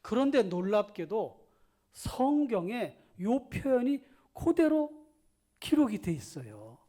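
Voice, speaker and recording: A pastor giving a church sermon, speaking conversationally to the congregation with questions and asides, and often dropping to a soft, near-whispered tone. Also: medium pitch, big pitch swings, slow.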